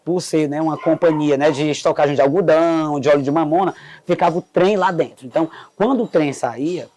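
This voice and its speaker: Animated man telling local stories. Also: fairly high pitch, a little fast. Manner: animated, fond of "né". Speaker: local resident and geographer guest. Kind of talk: casual storytelling. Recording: faint background noise.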